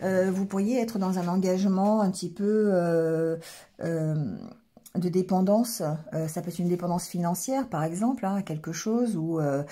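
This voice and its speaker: A woman with a hoarse, mellow, darker voice reads tarot cards for her viewers. She talks haltingly, full of fillers and restarts, and keeps clearing her throat and checking in with the listener. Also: on the low side. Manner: hesitant, many fillers and restarts, checks in with "d'accord?". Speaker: tarot card reader. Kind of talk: casual tarot reading addressed to viewers.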